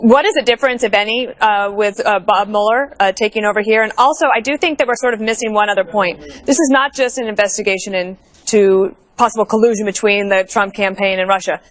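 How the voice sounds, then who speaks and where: A woman's voice: medium pitch, fairly even intonation, a little fast, hardly any pauses. A woman co-hosting a news panel, a former press aide, asking articulate questions with light fillers. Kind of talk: cable news panel discussion.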